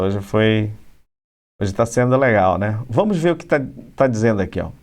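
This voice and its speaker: A man running a relaxed online English lesson at a middle pitch. He explains with lively, rising emphasis and slows right down to spell out each example sentence. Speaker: English teacher.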